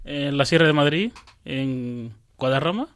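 A man's voice: a little high, lively intonation, measured pace, fairly bright tone, clean tone, no room sound. A man from Guinea-Bissau, a seminarian guest on a radio show, hesitant and searching for words. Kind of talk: casual radio interview.

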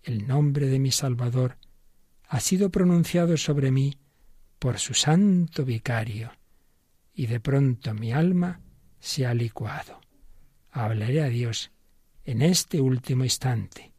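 A man reading the lines of an elderly dying philosopher, humble and pleading, in a slow, halting way. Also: mid-range voice, mellow, slightly rough, dry recording, studio quality. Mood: surrendering.

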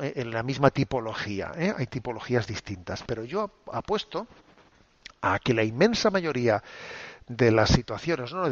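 A man's voice: mid-range voice, no echo, highs cut off. A man, a priest, giving a conversational spoken reflection, often tagging phrases with little questions. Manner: conversational, many tag questions. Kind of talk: radio talk reflection.

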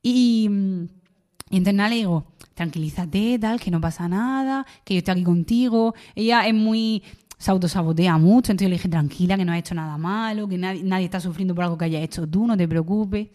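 Young woman guest, earnest testimony, halting with fillers and restarts, mid-pitched voice. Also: mellow. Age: young adult. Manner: emotional storytelling with many fillers and restarts. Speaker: interviewee, university student. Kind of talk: personal testimony in conversation.

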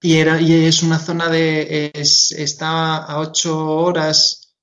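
A man's voice: on the high side, monotone, slow, a bit bright, lo-fi sound. A young man in his twenties with a Madrid Spanish accent, a guest in a radio interview, speaking earnestly and hesitantly, often repeating and restarting words. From Madrid, Spain. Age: 20s. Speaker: guest singer-songwriter.

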